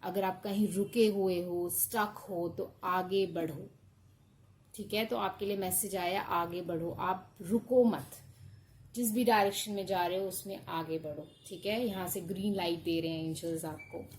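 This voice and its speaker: A woman's voice: on the low side, fairly even intonation, normal speed, hardly any pauses, darkish tone, slight background noise, rough recording. A woman doing a casual tarot card reading, reassuring her listeners and mixing in English. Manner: reassuring, often checks in with "okay" and mixes in English.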